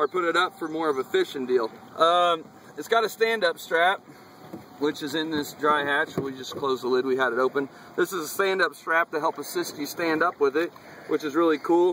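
Over light background noise, a man speaks at a fairly quick pace in a dry recording with no echo. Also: ordinary pitch variation. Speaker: store staff demonstrating product. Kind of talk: product demo talk. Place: waterside.

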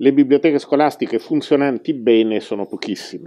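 Against a quiet background, a man speaks at a fairly quick pace. His pitch sits fairly high. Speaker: university professor. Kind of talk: panel presentation. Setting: book fair panel. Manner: measured, articulate. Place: hall. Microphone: lapel.

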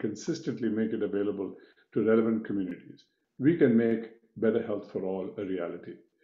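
A man speaks very fast with ordinary pitch variation. The background is quiet, though audible room echo comes through. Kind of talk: prepared speech. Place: office. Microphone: video call.

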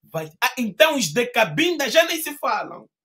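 Against a quiet background, a raised, projected voice with a bright, sharp tone swings very widely in pitch. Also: man. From Angola. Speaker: podcast host. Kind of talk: casual discussion. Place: home room. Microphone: studio mic.

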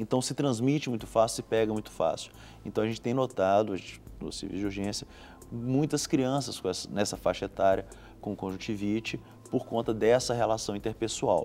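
Over light background noise, a man with a dark, mellow tone talks at a fairly quick pace with ordinary pitch variation. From Brazil. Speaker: ophthalmologist; guest. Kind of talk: TV interview, explanatory. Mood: calm, explanatory. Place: studio.

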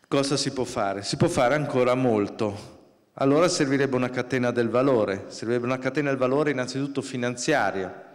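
A man's medium-pitched voice at a very fast pace, over a quiet background. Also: ordinary pitch variation. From Marche, central Italy. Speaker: university professor. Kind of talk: conference panel discussion. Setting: stage with audience. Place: stage.

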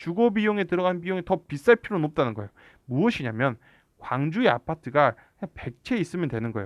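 Against a quiet background with a dry, close sound and no echo, a man speaks at a very fast pace in a fairly high pitch with very wide pitch swings. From Gwangju, Jeolla. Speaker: real estate YouTuber. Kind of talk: tutorial.

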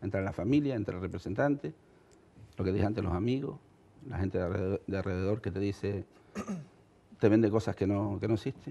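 A man talks very fast with long, frequent pauses, his fairly low voice dark and mellow in tone. His pitch varies in an ordinary way. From Canary Islands. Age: 50s. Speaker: former footballer, club technical staff; football guest or coach. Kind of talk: TV interview; TV panel discussion. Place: studio. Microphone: lapel.

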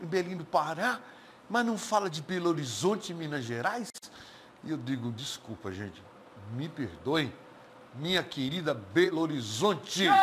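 A man's fairly slow speech with very wide pitch swings and long, frequent pauses, over light background noise. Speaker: TV show host. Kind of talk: casual broadcast presenter chat. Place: studio. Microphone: lapel.

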